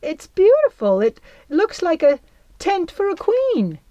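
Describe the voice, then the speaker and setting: A tiny old fairy queen with a breathy, gushing voice that climbs very high and carries some force, put on by a woman reading a storybook. She talks slowly, and the recording is dry and close. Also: wildly swooping pitch, mellow, no echo, dull audio, exaggerated voice.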